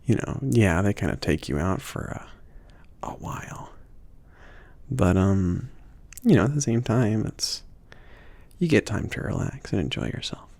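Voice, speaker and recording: A man acts out a gentle, obliging mage who runs a potion shop, in an intimate ASMR roleplay. His low voice is breathy and husky, swinging loosely in pitch and often sinking toward a whisper. He talks slowly and hesitantly, rambling and trailing off. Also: expressive, dry recording, exaggerated voice. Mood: easygoing, reassuring.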